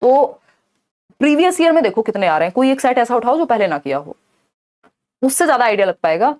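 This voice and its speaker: Young woman teacher doing a live class, tired and chatty, reads questions out slow, kinda high voice. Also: sing-song, darkish tone. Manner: explains in Hindi mixed with English, reads questions aloud slowly; chatty, answers viewers' comments by name. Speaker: online exam-prep teacher.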